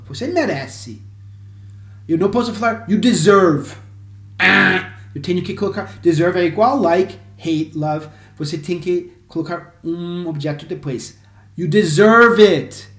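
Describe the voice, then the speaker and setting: A man who is a native English speaker teaching English, explaining phrases slowly and repeating examples for drill. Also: high voice, a bit bright. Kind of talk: language lesson to camera. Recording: echoey room.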